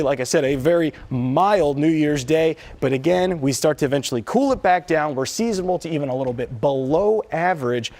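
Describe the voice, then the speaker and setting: Higher-voiced American man forecasting weather. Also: creaky, darkish tone. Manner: conversational, explanatory. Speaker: TV meteorologist. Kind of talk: live weather forecast presentation.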